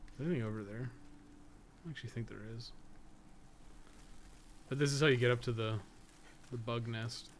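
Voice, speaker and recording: A man's voice: mid-range voice, steady tone, normal speed, long pauses. Rambling man doing gameplay commentary, noisy recording. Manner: rambling, thinking aloud, casually profane. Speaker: podcast co-host and gaming streamer. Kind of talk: casual live gameplay commentary.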